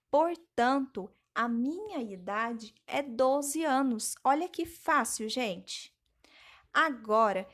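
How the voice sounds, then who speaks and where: A woman's voice: a little high, fairly bright tone. A young woman teaching a math lesson as an intern, patiently explaining each step and talking straight to her students. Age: young adult.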